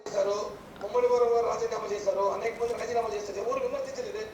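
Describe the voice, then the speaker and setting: A man's voice: extremely high pitch, racing, darkish tone, a little hiss or hum. A man defending himself in a political debate, explaining at length with repeated false starts. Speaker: political party leader as debate guest.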